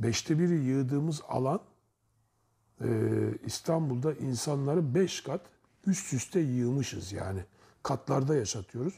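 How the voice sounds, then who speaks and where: Against a quiet background, a man with a dark, mellow, somewhat breathy tone and fairly high pitch speaks at a fairly slow pace, with lively intonation and long, frequent pauses. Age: 60s. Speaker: agricultural council head. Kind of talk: interview. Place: office. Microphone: lapel.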